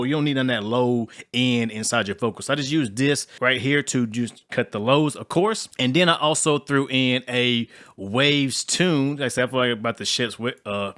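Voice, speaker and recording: A man with a low voice giving a casual, slangy music-production tutorial, rambling with fillers. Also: a bit bright. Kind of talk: casual screen-recorded tutorial.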